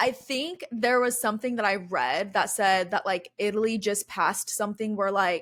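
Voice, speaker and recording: A normal speaking voice from a woman at medium pitch, moderate pace and ordinary pitch variation, with hardly any pauses and very even loudness. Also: very clean recording, silent background. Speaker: podcast host. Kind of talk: podcast interview.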